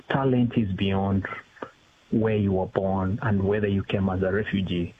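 A man speaking as a community council executive, a guest on a phone-in radio interview, earnest and searching for his words. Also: on the low side. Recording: tinny phone line with faint hiss.

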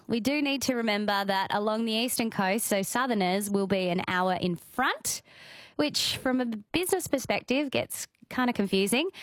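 Brisk Australian woman radio host. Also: on the high side, no echo. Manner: brisk, chatty, upbeat. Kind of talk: live radio presenting. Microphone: studio microphone.

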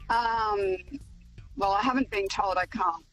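A woman's voice: medium pitch, measured pace, fairly bright tone, soft background music, rough recording. A woman calling in to a radio show, hesitant and laughing a little. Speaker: caller. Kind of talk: phone-in chat.

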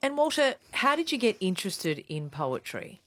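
A woman's voice: medium pitch, sing-song, moderate pace, a bit bright, dry recording. A woman co-hosting the interview, effusive and full of praise for her guests. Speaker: co-host.

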